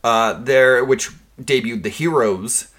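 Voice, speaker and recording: A man's voice: medium pitch, takes it slowly, fairly bright tone. A man co-hosting a casual gaming podcast, rambling and restarting his sentences. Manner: rambling, frequent restarts and fillers. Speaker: podcast co-host.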